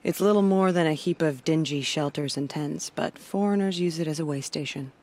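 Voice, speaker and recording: A woman's voice: low-pitched, fairly quick, darkish tone. A woman playing a stern, weary, proud tribal war leader in a video game cutscene. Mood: grave, resolute.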